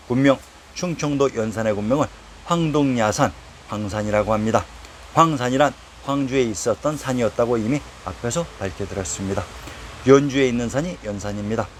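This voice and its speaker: A man reading a formal lecture on old place names, reciting quotations from historical texts at a steady, even pace. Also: mid-range voice, a little hiss or hum. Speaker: narrator of a history lecture series. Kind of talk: read-aloud historical lecture.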